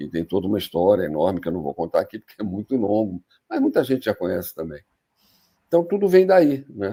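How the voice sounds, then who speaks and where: With a dark, mellow tone and fairly low pitch, a man speaks at a fairly quick clip, swinging very widely in pitch and greatly in loudness, in a dry, close recording with no echo. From Brazil, São Paulo city. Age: 60s. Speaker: ufologist, contactee. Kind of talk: live stream interview. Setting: online live stream.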